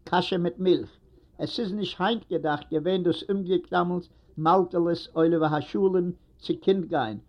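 A man voicing a shy, tender young woman who answers softly and hesitantly. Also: sits high, fairly even intonation, moderate pace. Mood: wistful. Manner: soft, hesitant replies. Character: young woman, shy and tender, meeting her long-lost husband. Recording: dull lo-fi recording.

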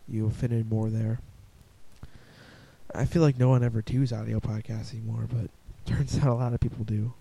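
Young Midwestern guy, gravelly dark voice. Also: lowish voice, level tone, moderate pace, low-quality recording. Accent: Midwestern American. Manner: rambling, self-deprecating, restarts. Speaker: podcast host. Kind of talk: casual solo podcast chat. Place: home room. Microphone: close desk mic.

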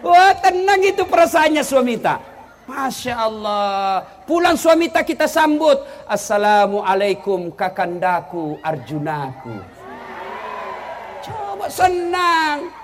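A man preaching a humorous sermon, animated and joking, dropping to low asides and rising to high exclamations. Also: a little hiss or hum.

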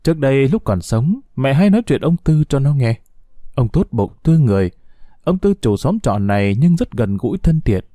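A man narrating a sad story in a slow, heartfelt, expressive way. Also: medium pitch, dry recording, clean studio sound.

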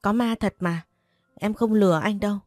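Narrator putting on a spoiled whiny girl, mellow voice, dry mic. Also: medium pitch, normal speed, no echo, soft background music, lightly acted. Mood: pleading. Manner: pleading and sneering. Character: spoiled, whiny young woman guest.

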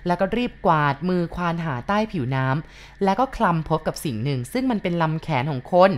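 A woman narrating a ghost story politely and unhurriedly, with soft filler sounds. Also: fairly low pitch, animated, fairly quick.

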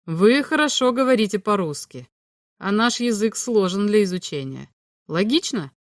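A woman's voice: mid-range voice, lively intonation, moderate pace, dry recording, clean studio sound, lightly acted. A woman reading an audiobook, voicing a curious, skeptical man who questions a stranger in a plain, questioning way. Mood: puzzled questioning. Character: curious skeptical male earthling narrator-fisherman.

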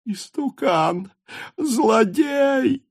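A man's voice: very high-pitched, animated, drawn-out words, breathy edge, no echo, raised voice, voice pushed up, exaggerated voice. A man putting on a sobbing, wailing mother. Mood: furious. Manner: wailing, pleading through sobs. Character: desperate sobbing townswoman, middle-aged mother. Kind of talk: audiobook character voice.

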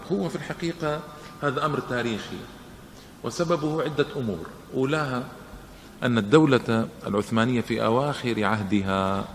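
A man giving a public lecture and answering questions, emphatic, with rhetorical questions and repetition for stress. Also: medium pitch. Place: lecture hall. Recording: lecture hall with echo and faint noise.

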